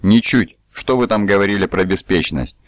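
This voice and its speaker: A man's voice: lowish voice, moderate pace, dry recording, close to an everyday voice. Man voicing a curt, guarded woman reporter. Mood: dry. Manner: curt, cool replies. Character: guarded war reporter woman, dry and sharp.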